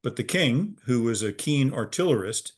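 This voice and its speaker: A middle-aged American man from Virginia, a museum's head of research, explaining history as an interview guest over a video call, measured and pausing often with "uh". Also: medium pitch, animated. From Virginia, USA. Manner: measured, with frequent "uh" pauses.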